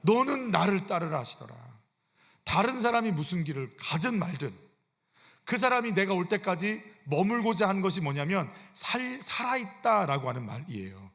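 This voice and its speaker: A man's voice: high voice, very animated, normal speed, fairly bright tone. A man, a senior pastor, preaching a sermon in a conversational style, asking his congregation frequent rhetorical questions. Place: church sanctuary. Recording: long church hall reverb.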